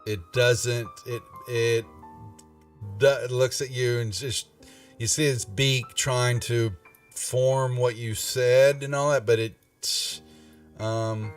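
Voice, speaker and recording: A man narrating a casual tabletop game as game master, halting and often restarting his phrases. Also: mid-range voice. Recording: distant mic with music behind. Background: background music.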